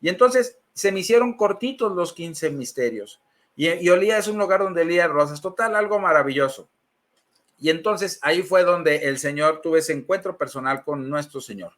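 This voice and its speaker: A middle-aged Mexican man giving a personal faith testimony, telling it as an animated story and acting out the quoted dialogue. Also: on the high side, moderate pace.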